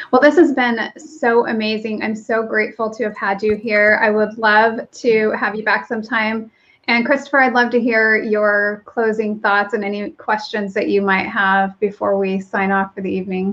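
A normal speaking voice at a moderate pace with fairly even intonation and hardly any pauses. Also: woman, fairly high pitch for a woman. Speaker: podcast host. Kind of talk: interview. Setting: video call.

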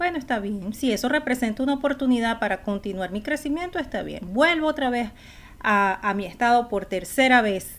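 Speaking at a fairly quick pace, a woman with a Venezuelan accent uses a high pitch. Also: lively intonation. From Venezuela, La Guaira. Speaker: podcast host, former bank worker. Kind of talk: motivational talk. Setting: live stream.

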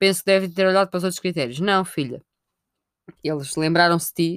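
A woman with a fairly low pitch talks at a very fast pace in an animated tone, with ordinary pitch variation. The very clean recording has a silent background and a dry, close sound with no echo. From Portugal, Amadora (Lisbon area). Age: 20s. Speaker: podcast host, political science student. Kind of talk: casual solo commentary. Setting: bedroom. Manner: animated, laughing.

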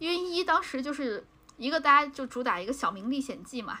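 Raising and projecting her voice, a woman speaks in an animated, bright, sharp tone at high pitch and a moderate pace, with very wide pitch swings. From China, Xi'an (Shaanxi). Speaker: podcast co-host. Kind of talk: casual chat. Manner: animated, frequent laughter.

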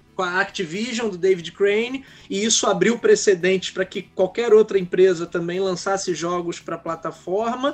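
The man's pitch is high, with ordinary variation. His pace is moderate, with hardly any pauses. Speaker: podcast host, marketing professor. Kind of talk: casual interview chat.

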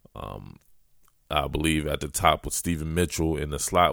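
A man's very deep, low voice with vocal fry and monotone, flat intonation, on a very clean recording with a silent background. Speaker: college football analyst and podcast host. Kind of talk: casual solo sports analysis podcast. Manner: casual slangy.

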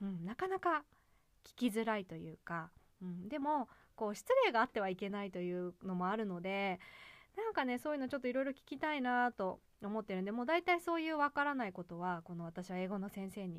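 Her pitch swings very widely around a medium level. This woman speaks at a fairly quick pace. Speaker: podcast host. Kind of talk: casual solo talk.

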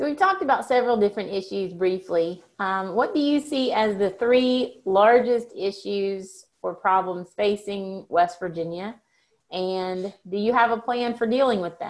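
Moderately paced, a woman speaks in an unremarkable speaking voice. Her pitch is medium, with ordinary variation. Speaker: podcast host. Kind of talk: interview.

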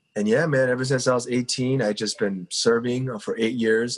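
A man talks in an ordinary speaking voice with an American accent, at a medium pitch. His pace is moderate and his intonation fairly even. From South Korea (US Army base). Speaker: ministry director. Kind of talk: casual interview.

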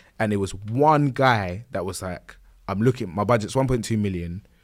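In a very clean recording with a silent background, a man with a London accent speaks at a moderate pace in a fairly low pitch. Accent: London, multicultural London English. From south London (Brixton). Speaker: property business founder. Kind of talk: casual interview chat.

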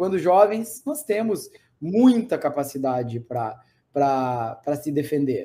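Speaking very slowly, a man with a fairly high, dark and mellow voice makes very wide pitch swings. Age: 40s. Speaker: doctor. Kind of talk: interview. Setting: live stream.

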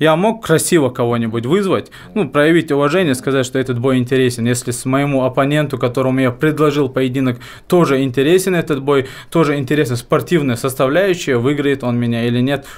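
A man's medium-pitched, ordinary speaking voice with ordinary pitch variation. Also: fairly quick pace. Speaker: MMA fighter. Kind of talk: interview.

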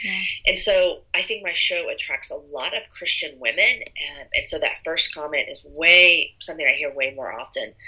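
Against noticeable background noise, a woman speaks at a moderate pace with hardly any pauses. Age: 30s. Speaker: podcast host. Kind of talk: interview.

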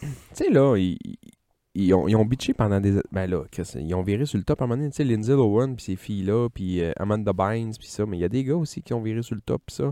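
A man with a fairly low, dark and mellow voice speaks at a fairly quick pace with lively intonation and big swings in loudness, the sound dry and close with no echo against a quiet background. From Quebec, Gaspésie. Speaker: podcast co-host. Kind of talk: casual chat.

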